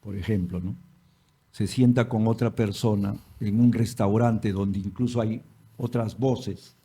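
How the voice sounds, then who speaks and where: A man's voice: lowish voice, fairly even intonation, unhurried, mellow, slightly rough. A man hosting an interview, asking long hypothetical questions with some hesitant restarts. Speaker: host.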